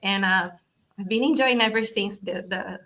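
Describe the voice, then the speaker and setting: A woman's voice: mid-range voice, normal speed, pushed and bright, slight background noise. A young woman from Brazil, speaking English with a Brazilian accent, chatting upbeat as an interview guest. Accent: Brazilian Portuguese. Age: young adult. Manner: upbeat, many fillers and restarts. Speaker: guest, automation specialist. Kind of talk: casual interview chat.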